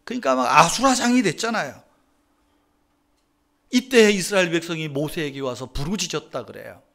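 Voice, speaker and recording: A male pastor preaching a sermon, chatting with the congregation through questions and swinging from loud proclaiming to hushed whispers. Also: a little high, animated, moderate pace. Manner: conversational, asks the congregation questions.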